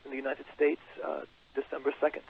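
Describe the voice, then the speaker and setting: A man playing a boastful, self-important rock frontman who calls in, halting with fillers. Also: medium pitch, monotone, gravelly, close to an everyday voice. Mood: pompous. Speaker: caller. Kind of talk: comedic call-in character. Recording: tinny phone line with hiss.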